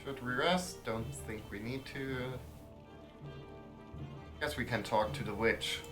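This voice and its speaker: A man's voice: slow pace, music in the background. A man streaming a story game, chatting wryly and reading its dialogue aloud. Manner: wry, self-mocking, reads dialogue with raised pitch. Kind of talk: casual let's-play commentary, reading game text aloud.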